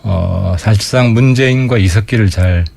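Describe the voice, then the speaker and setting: A man guesting on a radio current-affairs interview as a lawmaker, giving pointed, sharp-tongued political commentary into a studio mic. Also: on the low side, normal speed, creaky, no room sound.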